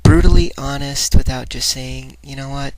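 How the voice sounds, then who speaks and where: A woman talking casually and hesitantly in a personal vlog, her voice light in resonance, a little breathy and nasal, sounding unsure of herself. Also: extremely low pitch, steady tone, moderate pace, darkish tone. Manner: hesitant, self-doubting. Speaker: voice trainee asking for feedback. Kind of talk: personal vlog, rambling confession. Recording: very noisy home recording, clicks.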